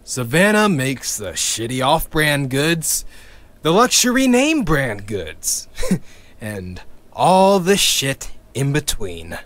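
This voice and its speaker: A man's voice: medium pitch, sing-song, slow, fairly bright tone, dry recording. An actor playing a bitter young male activist in an audio drama, sardonic and swearing, with wry laughs between his lines.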